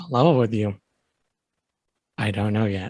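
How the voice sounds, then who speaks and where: Using a put-on character voice, a man talks at a moderate pace. His pitch is fairly low. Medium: actual play. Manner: curt, guarded.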